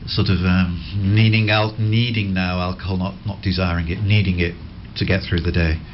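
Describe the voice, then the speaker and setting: Radio host, male, lowish voice, gentle rambling interviewer, muffled lo-fi studio sound. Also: steady tone, normal speed, slight background noise. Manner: gentle, rambling questions with restarts.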